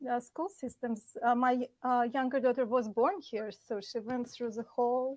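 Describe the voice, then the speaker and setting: Speaking at a moderate pace, a woman with a Russian accent has a high-pitched voice. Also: ordinary pitch variation, hardly any pauses. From Russia, Moscow. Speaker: school board candidate. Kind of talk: interview. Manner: hesitant, many fillers.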